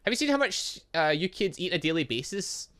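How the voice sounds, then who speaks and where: A gamer voicing a bossy, animated kitchen boss. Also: mid-range voice, fast talker. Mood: brusque. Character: gruff, busy adult cook running a school kitchen.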